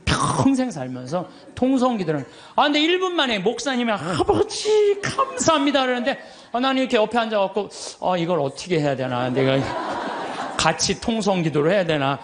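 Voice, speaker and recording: A middle-aged man, a Catholic priest, telling stories in a lively sermon, acting out the voices of others and laughing as he goes. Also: sits high, a little fast. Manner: animated, acts out quoted voices, laughs often.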